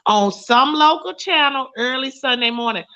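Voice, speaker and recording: A woman's voice: high-pitched, normal speed, pushed and bright, clear, resonant tone. A blunt, profane woman, hosting a casual talk show. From Mississippi, US. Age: late 30s. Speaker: host. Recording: lo-fi stream audio.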